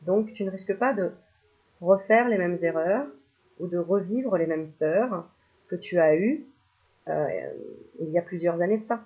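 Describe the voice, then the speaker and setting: Une femme qui tire des cartes de spiritualité, bavarde et joueuse, qui rit souvent et lance parfois des chants pour rire. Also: female voice, lowish voice, a little slow, pauses often, phone-quality sound. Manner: chatty, playful, laughs often, bursts into mock singing. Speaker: spiritual card reader. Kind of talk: casual card-reading video.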